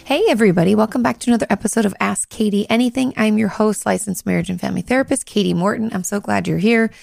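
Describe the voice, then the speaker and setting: A woman hosting a podcast, a little hoarse, chatting casually and hedging with frequent likes and restarts. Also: medium pitch, fast, a little mellow, dry recording, clean studio sound, soft background music. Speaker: podcast host, therapist.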